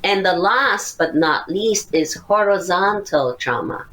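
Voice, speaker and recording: A woman's voice: mid-range voice, lively intonation, takes it slowly, a bit bright, poor audio. An older woman psychotherapist, earnestly explaining kinds of trauma step by step in a podcast interview. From Syria. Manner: earnest, explanatory, lists points methodically. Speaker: psychotherapist guest.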